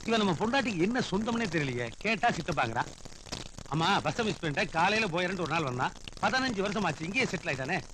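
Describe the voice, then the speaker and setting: An actor playing a grumpy, sarcastic son-in-law in a film comedy, scolding in rants. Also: male voice, sits high, sing-song, fast talker, background noise. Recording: film soundtrack with music.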